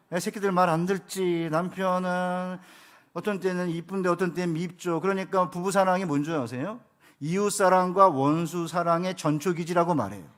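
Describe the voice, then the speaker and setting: A man's high voice at a moderate pace with fairly even intonation, on a very clean recording with a silent background. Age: 60s. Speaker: professor and guest preacher. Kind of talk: sermon. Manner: conversational, humorous.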